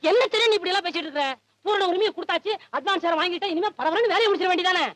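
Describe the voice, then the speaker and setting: An actor playing a brash, cheeky young wannabe film director, talking in high-pitched, rapid comic patter in a 1960s film comedy. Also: male voice, sharp tone. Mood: bossy teasing.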